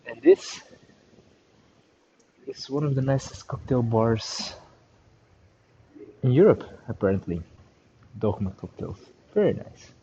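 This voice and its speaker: Give me a mellow Flemish man streaming a night city walk. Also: mid-range voice, very animated, slow, pauses often, dull audio, slight background noise. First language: Dutch. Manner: chatty, answers viewer questions with hedging. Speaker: walking tour streamer. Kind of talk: casual live-stream walking tour. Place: city streets at night, outdoors.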